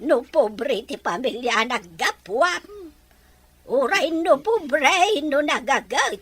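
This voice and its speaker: A woman playing a kindly, easygoing old grandmother in an audio drama, with a drawn-out, expressive delivery. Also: sits high. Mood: reassuring, welcoming.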